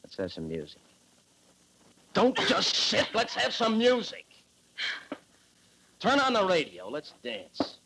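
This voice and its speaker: An actor playing a drunken, menacing private detective in a 1940s radio drama, slurring and swinging between tenderness and threats. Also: male voice, high voice, huge pitch swings, slow, pauses often, sharp tone, a little hiss or hum, exaggerated voice, poor audio. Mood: brooding. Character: drunken hard-boiled male private eye, menacing.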